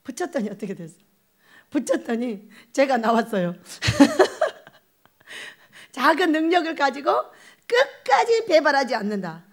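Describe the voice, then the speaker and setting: Lively high-voiced woman pastor preaching. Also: unhurried, pauses often. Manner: animated and folksy, asks the congregation questions; acts out quoted voices with laughter. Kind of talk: sermon. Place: prayer retreat sanctuary.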